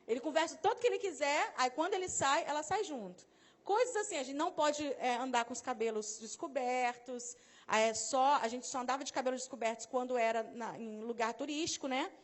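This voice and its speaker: High-voiced lively Brazilian woman speaker. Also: a little fast. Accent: Carioca Portuguese. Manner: animated storyteller, acts out dialogue, laughs often. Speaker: speaker at a mission course. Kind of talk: lively talk to a church audience.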